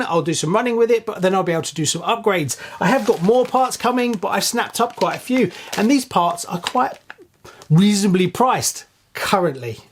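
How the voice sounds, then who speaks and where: Guy hosting his channel, fairly high voice, chatty and keen, talks right to viewers. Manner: chatty, enthusiastic, speaks directly to viewers. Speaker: channel host. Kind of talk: casual news roundup to camera.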